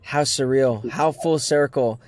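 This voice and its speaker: Male podcast host, mid-pitched voice, warm praise, casual chat. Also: a little slow. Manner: effusive, admiring.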